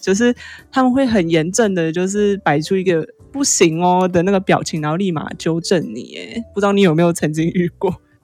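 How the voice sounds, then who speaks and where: Music plays in the background as the voice moves at a fairly quick pace with ordinary pitch variation. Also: woman, medium pitch for a woman. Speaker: podcast co-host, makeup artist. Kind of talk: casual chat.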